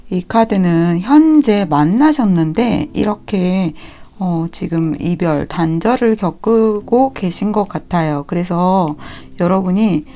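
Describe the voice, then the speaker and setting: A woman giving a tarot reading to viewers in a gentle, reassuring way, sometimes acting out what the people in the cards might say. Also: lowish voice. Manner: gentle, reassuring, acts out quoted lines. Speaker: tarot reader.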